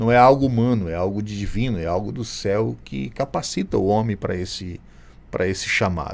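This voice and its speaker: Lively in intonation, a man with a plain, everyday voice speaks at a fairly low pitch. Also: moderate pace. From southern Brazil, coastal Santa Catarina (Sombrio). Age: 40s. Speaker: pastor. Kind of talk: interview, casual chat.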